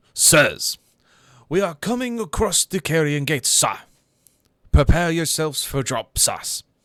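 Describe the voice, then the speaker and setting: A man puts on a gruff character voice, pitched high, with lively intonation. He keeps a moderate pace broken by long, frequent pauses. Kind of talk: deferential, saying 'sir'.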